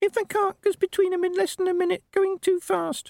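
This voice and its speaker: This put-on character voice is squeaky and extremely high-pitched, moving at a fairly quick pace. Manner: parroting, repeating by rote.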